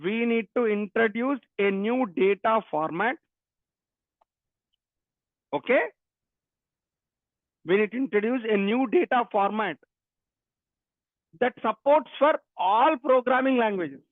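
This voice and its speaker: Telugu guy w telugu accent teaching coding, high voice, repeats himself, dry tinny call audio. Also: animated, slow, pauses often, no echo. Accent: Telugu Indian English. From Telangana, India. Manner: repeats phrases and questions, often addressing students. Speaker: programming instructor. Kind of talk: interactive online technical lecture. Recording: narrow phone-like line.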